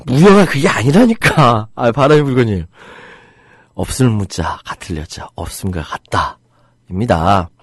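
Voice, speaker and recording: A man's voice: mid-range voice, animated, measured pace, husky, no echo, studio quality. A middle-aged man hosting a live online talk show, reading listener comments and mixing heated outbursts with jokey banter. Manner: heated, indignant outbursts about rights. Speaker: internet radio host reading listener comments.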